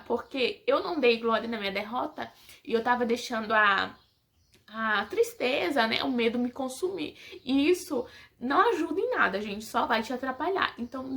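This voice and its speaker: Young woman, fairly high voice, gravelly, emotional faith testimony. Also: fairly bright tone. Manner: emotional, religious, laughs often, speaks to viewers as "gente". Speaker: vlogger giving a personal testimony. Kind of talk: casual storytelling to viewers.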